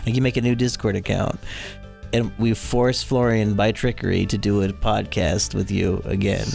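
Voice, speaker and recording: A man's voice: fairly low pitch, little pitch movement, moderate pace, gravelly, darkish tone, soft background music. A man co-hosting a casual drunk gaming chat, wry and swearing casually as he reads viewer questions, on a desk mic at home. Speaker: co-host.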